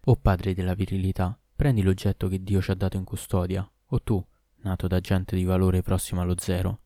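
A man's voice: low-pitched, flat delivery, brisk, mellow, dry recording, clean studio sound. A man reading aloud who gives the formal lines of a solemn older governess. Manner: formal and ceremonious.

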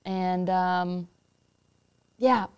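A woman's voice: fairly low pitch, fairly even intonation, very slow, a little mellow, smooth. A woman hosting a podcast interview over a video call, bubbly, enthusiastic and rambling. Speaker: podcast host. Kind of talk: casual interview chat.

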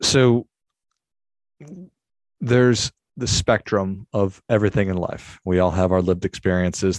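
Upbeat low-voiced male podcast host. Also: a little mellow, no echo. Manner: upbeat, repeats words when thinking. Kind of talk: interview hosting.

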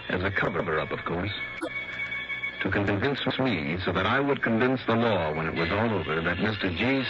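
An actor playing a hard-boiled male insurance investigator who narrates his own case in a terse, wry manner. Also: fairly low pitch. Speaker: narrator and lead detective. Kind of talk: 1960s radio drama acting. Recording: lo-fi vintage radio broadcast.

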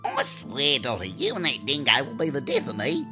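A woman's voice: rumbling low, big pitch swings, moderate pace, over music. A woman voicing an exasperated, foul-mouthed outback auntie with an Australian accent. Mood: scolding. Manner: scolding, swearing.

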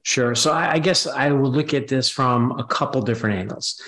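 A man's voice: mid-range voice, moderate pace, a bit bright. A man, a finance professor, explaining things conversationally as a podcast guest.

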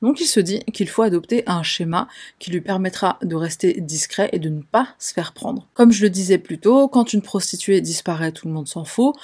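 A woman's voice: lowish voice, a little mellow, husky. A woman telling a true crime story as narrator, in a conversational way with wry, sarcastic asides.

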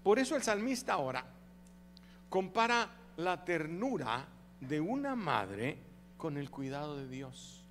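A pastor preaching a sermon to his congregation, animated and calling out to the audience for responses. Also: a little high, unhurried, in a large hall, faint music behind. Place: church.

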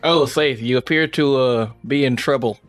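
A man's voice: medium pitch, normal speed, faint music behind. A man playing a tabletop role-playing game, chatting casually and joking around. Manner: joking, playful. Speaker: player.

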